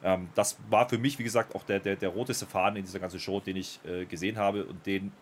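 A man reviewing a wrestling show in casual podcast chat, thoughtful, with many pauses and restarts. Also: low-pitched, fairly even intonation, slightly rough.

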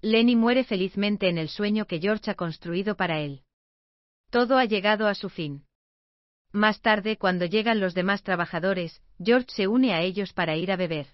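A woman reading a book summary as scripted narration, in an even, measured way. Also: mid-range voice, no echo, muffled recording.

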